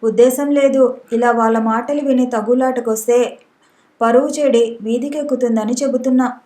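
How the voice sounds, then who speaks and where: A woman reading the lines of a proud, educated young man who speaks in a calm, restrained way. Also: fairly high pitch, normal speed, natural voice. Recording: roomy echo.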